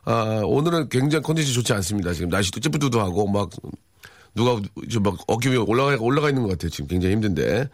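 A man in his forties hosting a live radio show, reading listener messages with dry, teasing deadpan humor. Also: on the low side, fast talker, no echo. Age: 40s. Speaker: radio host. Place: radio studio. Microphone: studio microphone.

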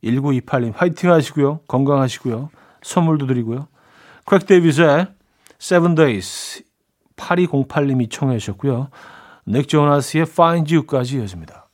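A man's voice: mid-range voice, moderate pace, a little mellow. A man hosting a radio music show, chatting in a friendly way and reading out listener messages. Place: radio studio.

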